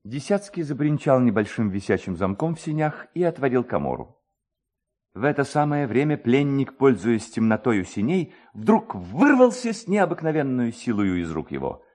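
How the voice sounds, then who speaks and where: Animated male literary storyteller. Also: medium pitch, moderate pace. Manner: expressive, theatrical phrasing. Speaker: narrator, reader.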